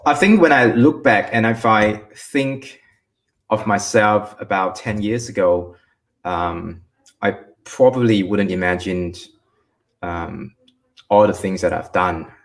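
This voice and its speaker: Young Malaysian-raised man, low register, reflective guest with lots of filler pauses. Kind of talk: online interview.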